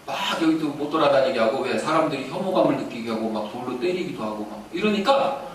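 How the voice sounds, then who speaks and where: Male pastor, lively storytelling sermon, distant mic, faint hiss. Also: medium pitch, quick pace, heavy reverb. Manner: animated storytelling preacher. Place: church sanctuary.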